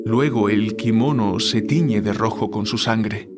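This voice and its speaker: A man playing a troubled writer haunted by nightmares, confiding in a measured, literary way, as in an audio drama. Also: fairly low pitch, loud music behind the voice, natural voice. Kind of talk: audio drama monologue, narrating a dream.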